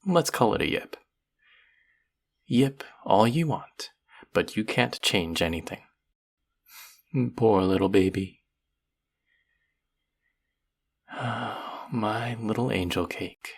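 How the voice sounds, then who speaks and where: A performer playing a gloating, sadistic sorcerer in a roleplay audio drama, cooing over a captive pet in mock-sweet baby talk with a breathy, gravelly voice. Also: medium pitch, animated, slow pace, long pauses, exaggerated voice.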